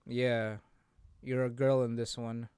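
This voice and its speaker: A man hosting a casual video game chat, explaining things in an informal, halting way. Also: mid-range voice, little pitch movement, a little mellow, clear, resonant tone, no room sound. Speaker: podcast host.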